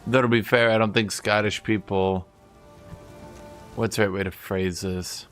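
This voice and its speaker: A man's voice: lowish voice, steady tone, unhurried, a bit bright, soft background music. A man streaming a game, chatting casually and rambling to his viewers. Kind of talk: casual chat while gaming.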